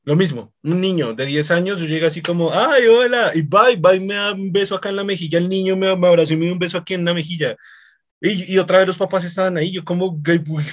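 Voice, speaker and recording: Podcast host, young Colombian man, slightly high voice, rambly storyteller, dull lo-fi audio. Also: fairly even intonation, fast talker. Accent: Colombian Spanish. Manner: rambling, repeats words, chuckles often. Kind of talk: casual anecdote telling.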